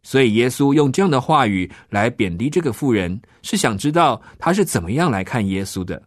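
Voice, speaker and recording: A man narrating a children's story and gently explaining it with soft sentence-end particles. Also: mid-range voice, very animated, a little fast, no echo, clean studio sound.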